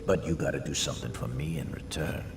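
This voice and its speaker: An actor playing a gruff, shrewd middle-aged street gang boss in a video game, with a gravelly voice and a sly, streetwise drawl. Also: male voice, very deep voice, quick pace. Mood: bargaining. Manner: sly, folksy streetwise drawl, ungrammatical slang. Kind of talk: video game character dialogue. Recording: echoey reverberant hall with background noise.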